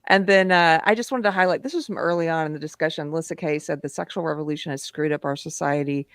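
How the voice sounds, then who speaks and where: A woman with a fairly low voice hosts a live online panel. She reads viewer donation messages aloud and thanks the senders one by one. The sound is dry and close. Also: quick pace, smooth, dry recording. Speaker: panel host.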